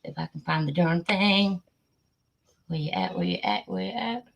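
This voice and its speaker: A woman hosting a casual livestream, chatty and excitable, muttering to herself as she searches for something. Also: on the low side, moderate pace, creaky, poor audio. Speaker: livestream host.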